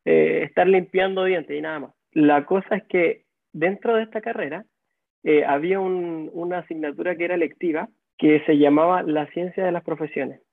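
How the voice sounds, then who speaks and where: A man's voice: high voice, creaky, dry recording. Man, Chilean accent, laid-back storyteller, tinny phone-like sound, dry. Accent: Chilean Spanish. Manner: laid-back, chuckles while recounting. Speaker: dentist guest. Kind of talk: casual interview storytelling. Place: home or office in a high-rise, indoors.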